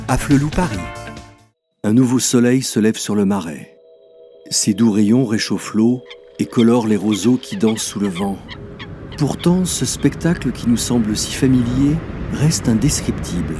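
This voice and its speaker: A man delivers scripted voice-over narration in the manner of documentaries and adverts. His voice sits over a clearly audible bed of music. The reading is prepared and presentational, as a professional voice artist would give it. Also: medium pitch, dark tone.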